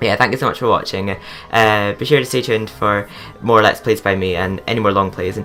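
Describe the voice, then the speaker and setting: In a put-on character voice, a man talks at a fairly quick pace, his fairly low, raspy tone held to fairly even intonation over clear background music. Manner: sleepy, tired.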